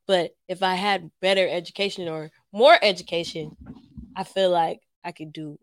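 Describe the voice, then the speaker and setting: Hoarse woman podcast host, low voice. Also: normal speed, no echo. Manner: relaxed, laughs easily, acts out quoted talk. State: recovering from lost voice, slightly hoarse. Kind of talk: casual podcast chat. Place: Los Angeles.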